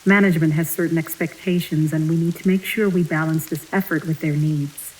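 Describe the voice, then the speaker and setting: Woman playing a low-voiced, poised, placating manor official. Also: steady tone, fairly quick, slight background noise, close to an everyday voice, low-quality recording. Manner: formal, diplomatic, controlled. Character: poised, placating female agent of mysterious prison manor. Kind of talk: audio drama dialogue.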